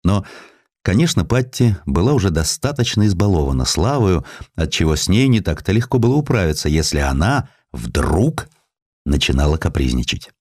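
Deep-voiced man narrating, expressively varied. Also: moderate pace, dry recording, clean studio sound. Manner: literary, expressive storytelling. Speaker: audiobook narrator. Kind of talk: scripted dramatic narration of historical sketches.

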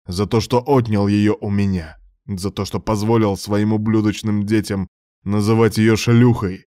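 A cold, vengeful man, voiced by the male narrator speaks in a very low, deep voice with clipped, contemptuous menace. His bitterness stays hard and controlled in this audiobook. The recording is dry and close. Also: fairly even intonation, measured pace, mellow, dry recording, natural voice. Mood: bitter anger. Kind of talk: audiobook character voice.

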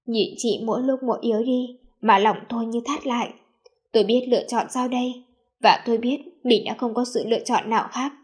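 A woman narrating a first-person story in a soft, reflective way. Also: on the high side, fairly even intonation, a little fast.

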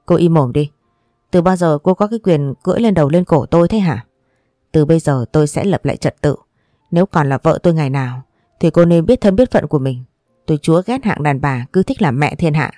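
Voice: mid-range voice, animated, fairly quick, dark tone, no echo, clean studio sound, natural voice. A storyteller voicing a stern, angry young husband who scolds harshly.

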